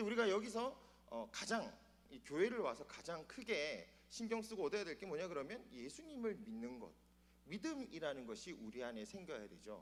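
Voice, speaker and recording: A man speaks at a high pitch with very wide pitch swings. Audible room echo surrounds his voice. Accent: strong Gyeongsang. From Gyeongsang region, Korea. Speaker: church lecturer. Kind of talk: lecture. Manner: fast.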